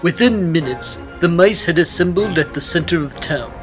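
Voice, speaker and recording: Higher-voiced man narrating over music. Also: expressive, moderate pace. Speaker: storybook narrator. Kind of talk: scripted read-aloud narration.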